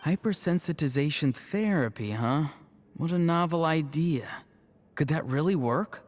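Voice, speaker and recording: A man's voice: fairly high pitch, animated, unhurried, darkish tone, soft background music. A man playing an earnest, lightly teasing young tribal grandchild in a video game. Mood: curious. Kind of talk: video game cutscene acting.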